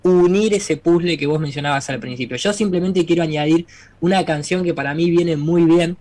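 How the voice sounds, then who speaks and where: A man, a guest in a casual online debate, calm and reflective. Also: a little high, normal speed.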